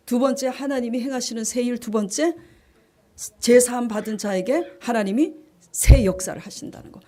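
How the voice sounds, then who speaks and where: Woman pastor preaching, calling out questions. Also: a little high. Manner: asks the congregation questions and answers them; reads scripture aloud in a hushed, slower voice. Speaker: senior pastor. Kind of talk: sermon.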